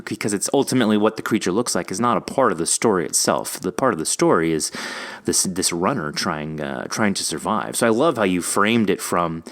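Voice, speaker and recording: A man hosting a casual interview, talking in an encouraging, reflective and wordy way. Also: deep voice. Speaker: podcast host interviewing a writer.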